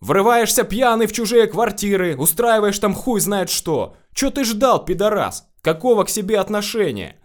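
A man voicing an angry male police interrogator who shouts crude abuse, in an audiobook. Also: high voice, very animated, normal speed, few pauses, pitched above the performer's own voice. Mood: yelling.

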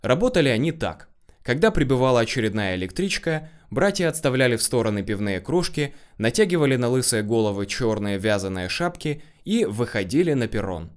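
Male narrator, first-person story reading, wry and slangy, with a very lively, rising-and-falling delivery. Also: mid-range voice, brisk, clean tone. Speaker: audiobook narrator.

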